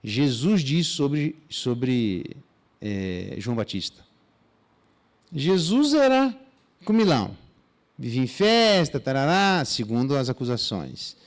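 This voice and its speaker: In a church, a pastor with a Brazilian Portuguese accent teaches through a Bible passage, casual and animated, with slang asides and mock dialogues. His mid-range voice takes its time.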